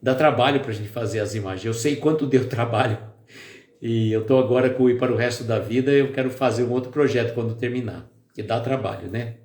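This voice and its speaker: A man hosting a spiritist live stream, chatting casually with viewers by name and then slowly leading a calm guided prayer. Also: mid-range voice. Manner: slow, soft and calm when leading the prayer. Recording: echoey room with faint music.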